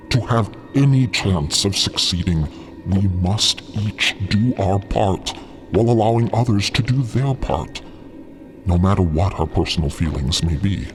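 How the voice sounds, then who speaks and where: Smug male schemer, deep-leaning voice, highly animated phrasing, needling, condescending, audio fiction, music underneath. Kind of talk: dramatic audio fiction acting.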